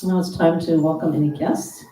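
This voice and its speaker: An American woman hosts a church service, earnestly and warmly welcoming guests and giving announcements. Her low, dark voice moves briskly with fairly even intonation. A distant mic captures the roomy space and a faint hum.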